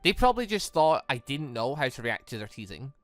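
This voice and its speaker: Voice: mid-range voice, big pitch swings, brisk, dry recording, soft background music, natural voice. A let's player voicing a kind, reassuring young student hero in a visual novel, in an earnest everyday voice.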